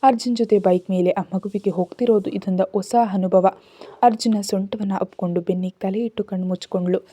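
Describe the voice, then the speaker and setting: A woman's voice: medium pitch, fairly even intonation, fairly quick, dark tone, no echo. A woman reading a romantic family story aloud as a storyteller, voicing the characters' lines in her own narrating voice.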